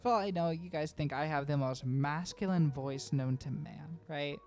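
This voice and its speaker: A woman's voice: low-pitched, moderate pace, a little mellow, soft background music. A trans woman vlogger rambling through a casual voice-over, often tagging "right?" and laughing between thoughts. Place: home voice-over recording.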